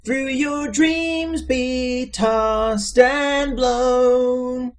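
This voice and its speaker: A man's voice: extremely high pitch, faint music behind, voice pushed up, heavily acted. A man voicing a cheerful, oblivious spaceship computer with a nasal, singsong delivery in an audiobook. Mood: wailing croon. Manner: chirping, crooning, drawn-out delivery. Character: cheerful, chirpy male ship's computer, breezily oblivious. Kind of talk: audiobook character voice.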